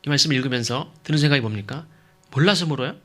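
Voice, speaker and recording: A man's voice: mid-range voice, racing, a bit bright. A man preaching a sermon as pastor, stressing points with rhetorical questions and checking in with the listeners. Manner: emphatic, asks rhetorical questions; checks in with the congregation.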